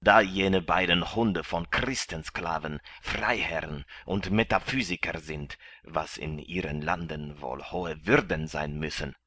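A man's voice: sits low, a little slow, hardly any pauses, pushed and bright, dry recording, exaggerated voice. A man doing a scornful galley master. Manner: blunt, contemptuous.

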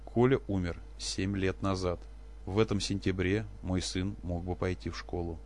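A man voicing a grieving, vengeful woman who speaks in an even, cutting voice. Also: on the low side, moderate pace, lightly acted. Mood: cold.

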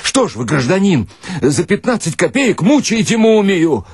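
Man putting on a showy, high-pitched young fairground barker. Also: very animated, normal speed, breathy edge, dry recording, clean studio sound, full character voice. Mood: indignant. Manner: declamatory, showy announcing. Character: young male sideshow barker, grandly polite, easily indignant. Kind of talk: dramatic story reading.

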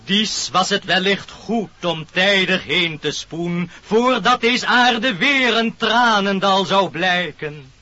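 A man's voice: high voice, animated, takes it slowly, hardly any pauses, sharp tone, no room sound, soft background music, heavily acted. A man playing a pompous little animal preacher in a radio play, solemnly declaiming rhymed verse like a sermon. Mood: solemn, lofty. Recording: dull old radio recording.

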